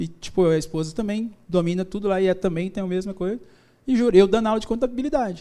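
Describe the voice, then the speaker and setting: A man talks very fast with a high pitch for a man and ordinary pitch variation. His tone is dark and mellow, over a quiet background. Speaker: entrepreneur and motivational speaker; motivational speaker. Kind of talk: live seminar talk. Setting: stage with live audience, also streamed. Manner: animated. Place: hall. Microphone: handheld.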